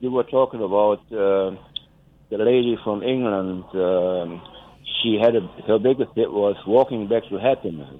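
An older German-accented man phoning in to a radio show, his voice thin and tinny down the phone line. He rambles and restarts his sentences, stopping to chuckle at his own stories. His pitch sits in the middle for a man. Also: a little hiss or hum. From West Germany. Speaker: caller. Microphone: telephone.

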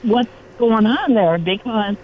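A woman's voice: a little high, animated. Ninety-something woman on a garbled underwater-sounding phone. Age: 90s. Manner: rambling, halting, worried. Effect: garbled underwater-sounding phone line. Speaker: radio call-in listener. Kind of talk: casual phone call. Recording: tinny garbled phone line with hiss.

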